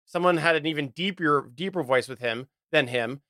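A man's voice: on the high side, normal speed, sharp tone, dry recording, studio quality. A man co-hosting a podcast, chatting casually and explaining things in a rambling way. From Canada. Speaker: podcast co-host. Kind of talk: casual chat about audio gear.

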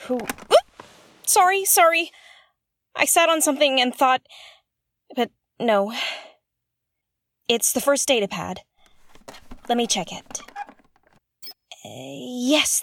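A woman's voice: on the high side, lively intonation, takes it slowly, pauses often, fairly bright tone, dry recording, full character voice. A woman playing a nervous, curious young investigator on a derelict spaceship in an audio drama, talking hesitantly and earnestly. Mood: flustered, apologetic. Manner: hesitant, self-correcting, chatty and earnest. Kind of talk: audio drama, confessional log to listeners.

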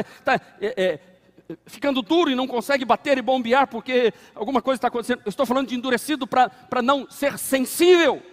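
A Brazilian man preaching a sermon as pastor, dramatic, dropping to a hush and building to loud climaxes. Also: very high-pitched. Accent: Brazilian Portuguese. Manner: dramatic preaching, acts out voices in anecdotes, swings from hushed to loud. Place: church sanctuary. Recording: long hall reverb.

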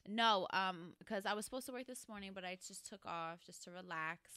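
A woman's voice: medium pitch, brisk, pushed and bright, smooth, dry recording, clean studio sound. A woman co-hosting a podcast in casual chat, bubbly and playful, laughing often. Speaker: podcast co-host.

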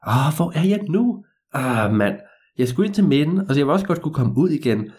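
A man's voice: fairly high pitch, big pitch swings, darkish tone, voice pushed up. A man voicing a nervous teenage boy who stammers and whines when he gets lost. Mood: confused, whiny. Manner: hesitant, stammering, whiny.

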